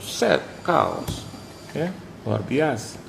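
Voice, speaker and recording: Lively gravelly male preacher. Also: mid-range voice, drawn-out words. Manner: animated preacher who acts out dialogues and drops English phrases. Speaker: pastor. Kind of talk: sermon. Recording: noisy live sermon recording.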